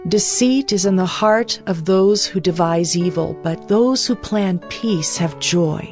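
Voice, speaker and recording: A woman narrating scripture in a measured, declarative dramatized reading. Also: fairly low pitch, a little mellow. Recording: instrumental music bed. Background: instrumental music with guitar.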